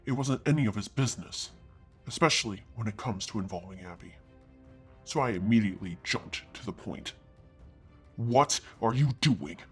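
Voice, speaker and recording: A man reading a first-person fantasy story aloud, with an earnest husky delivery that climbs into anger on the hero's lines. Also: lowish voice, a little fast, fairly bright tone, faint music behind. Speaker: story reader.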